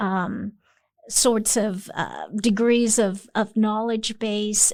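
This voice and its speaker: A woman with a medium pitch speaks at a very slow pace with fairly even intonation, recorded very cleanly over a silent background. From Texas. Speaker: retired pharmacy professor. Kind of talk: podcast interview. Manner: measured, with frequent fillers.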